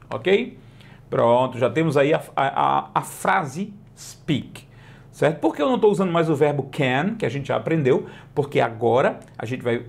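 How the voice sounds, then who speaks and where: A male English teacher whose first language is Portuguese, explaining grammar, stretching out example words slowly and checking in with the listener often. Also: on the high side, creaky, a little mellow. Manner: slow, drawn-out model pronunciations between quick explanations; asks the listener questions and checks in with "né?" and "ok?". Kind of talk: online language lesson.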